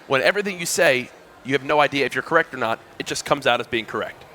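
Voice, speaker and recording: A man's voice: mid-range voice, lively intonation, fast, bright, forceful tone, slight background noise. A male esports commentator trading easygoing jokes with his co-caster while they wait for a match. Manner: joking, easygoing banter. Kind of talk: casual caster banter between matches.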